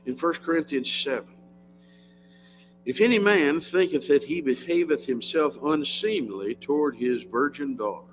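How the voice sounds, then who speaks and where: Standing before a church congregation, a preacher in his seventies from the U.S. delivers an emphatic, plain-spoken, folksy sermon and frequently questions his listeners. He speaks in a mid-range voice, and the audio is poor.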